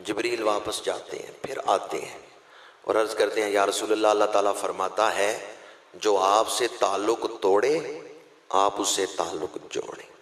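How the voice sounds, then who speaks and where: A man with a Pakistani Punjabi accent preaching a sermon, swinging between loud impassioned outbursts and quiet explanation. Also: fairly low pitch, fairly even intonation, measured pace. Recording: echoey long reverb of a hall.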